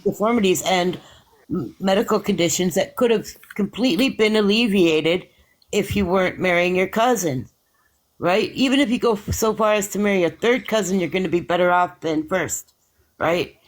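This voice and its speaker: A man's voice: sits high, moderate pace, low-quality recording. A man in casual chat, rambling through explanations with frequent restarts and hedges.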